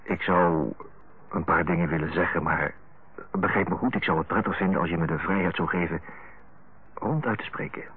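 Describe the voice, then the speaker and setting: Through the thin, narrow band of an old radio recording comes a middle-aged brother with a low, rough-edged voice. He is earnest and fond, feeling his way haltingly toward frank words in radio-drama style. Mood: hesitant, coaxing. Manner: hesitant, searching, self-correcting.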